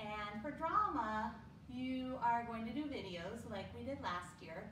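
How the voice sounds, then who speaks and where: A woman talks at a fairly slow pace over noticeable background noise. The room has an audible echo. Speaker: drama teacher. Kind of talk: remote class introduction. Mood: warm, enthusiastic. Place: home room. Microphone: camera far.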